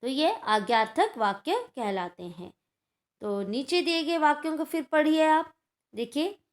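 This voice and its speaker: A woman with a high-sitting voice teaches schoolchildren a Hindi grammar lesson. She explains patiently and checks in with her class often.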